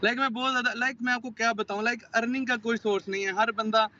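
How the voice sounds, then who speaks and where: A man's voice: very high voice, fairly even intonation, quick pace, pushed and bright, dull audio, a little hiss or hum. A man with a sore throat, an aspiring singer talking earnestly on a morning show over a remote link, mixing in English words. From Pakistan. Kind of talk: casual chat on a TV morning show.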